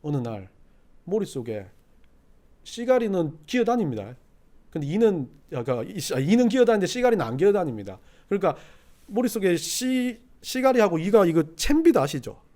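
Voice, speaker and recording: A middle-aged man preaching a sermon as pastor, telling folksy stories and swinging from quiet asides to loud exhortation. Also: sits high, sing-song, fairly quick. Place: church sanctuary.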